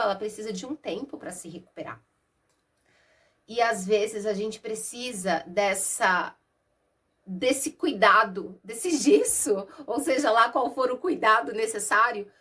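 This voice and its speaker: A woman's voice: medium pitch, breathy edge. A Brazilian woman with a cold, talking nasally and conversationally as a therapist explaining things to her viewers without an external microphone. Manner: warm, conversational, uses many diminutives and asides. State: has a cold. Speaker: therapist and mentor. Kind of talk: casual explainer talk to camera.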